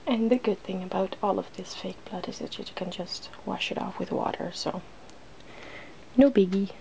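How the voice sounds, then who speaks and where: Noticeable noise sits behind this woman's voice, which has an average female pitch. She hosts an ASMR video and talks in a casual, informal way, as if chatting to viewers while busy with her hands. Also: moderate pace, creaky, mellow, rough recording. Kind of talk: ASMR, casual chat while doing makeup.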